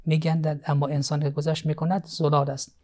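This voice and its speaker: Man, cleric, fairly high voice, calm moral storytelling, hesitation fillers, TV studio. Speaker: cleric, guest expert. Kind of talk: storytelling religious teaching on TV.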